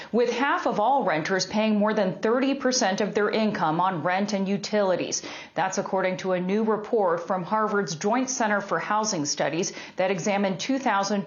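A woman news correspondent narrating a scripted report in a clear, steady tone. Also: medium pitch, highs cut off.

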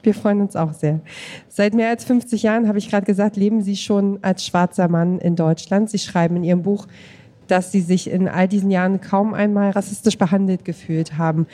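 A woman's voice: mid-range voice, fairly even intonation, a little fast, warm tone. A woman hosting a live radio interview, introducing and questioning a guest. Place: live at a book fair.

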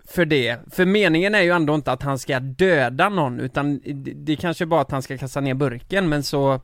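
A man hosting a casual podcast chat, steering the talk in a measured way. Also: a little high, a bit bright, dry recording.

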